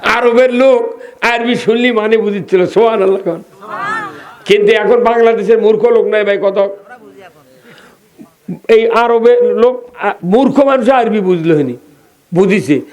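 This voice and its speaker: A man's voice: high voice, measured pace, long pauses, a little mellow. A man from Bogura preaching a humorous sermon in the local Bogura dialect, telling stories with teasing asides to the crowd. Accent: Bogura Bengali dialect. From Bogura, northern Bangladesh. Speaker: Islamic preacher.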